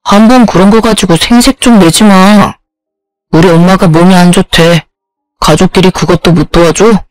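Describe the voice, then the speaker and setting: A woman's voice: fairly low pitch, steady tone, moderate pace, darkish tone, no echo, faint music behind, close to an everyday voice. A woman voicing a self-centered young husband who curtly brushes off his wife's complaints. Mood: offhand.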